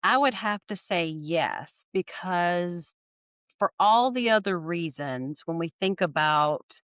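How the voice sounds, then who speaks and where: Woman, low-pitched, middle-aged, reflective guest, dry recording. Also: lively intonation, takes it slowly, dry recording. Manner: thoughtful, warm, frequent "right?" tags. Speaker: podcast guest. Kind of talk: reflective interview answers.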